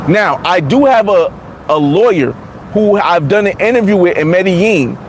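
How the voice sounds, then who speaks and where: A man's voice: high voice, slight background noise, poor audio. A man in his forties, a vlogger chatting casually and bluntly, repeating himself and restarting often. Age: 40s. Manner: blunt, repetitive, many restarts. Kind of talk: casual livestream chat reading comments.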